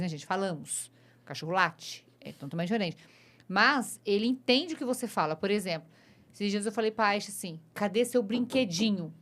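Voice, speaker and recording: Uma mulher apresentando um programa de rádio, entrevistando um convidado de forma descontraída e contando casos próprios. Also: female voice, medium pitch. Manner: friendly and talkative, tells her own anecdotes. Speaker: radio show host. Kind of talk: radio interview, casual chat.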